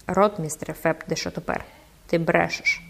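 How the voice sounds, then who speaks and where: A woman's voice: fairly even intonation, moderate pace, creaky. A woman voicing a sinister cloaked man with a cold, sepulchral voice, reading an audiobook. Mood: menacing. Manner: low, cold, sepulchral delivery.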